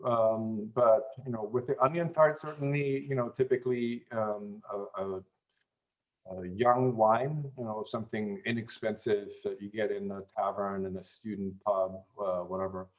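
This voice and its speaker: A man who grew up in German-speaking Europe, chatting as an interview guest in an unhurried way, with many fillers and restarts. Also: lowish voice, steady tone, dull audio. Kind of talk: casual interview chat.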